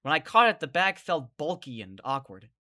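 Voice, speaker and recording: Woman playing a low, animated, bewildered youngster. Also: normal speed, heavily acted. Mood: resigned. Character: bewildered, exasperated young kid narrating an apocalypse ordeal. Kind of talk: dramatic first-person narration and dialogue.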